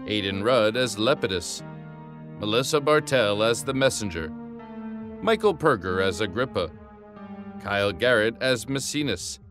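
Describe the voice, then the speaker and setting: A man working as an announcer, reading scripted credits for an audio production. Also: mid-range voice.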